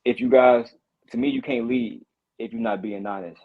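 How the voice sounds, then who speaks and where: A man from Detroit calling in to a casual chat, speaking earnestly in halting fragments. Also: mid-range voice, steady tone. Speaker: caller. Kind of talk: casual live-audio chat. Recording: tinny phone-like line.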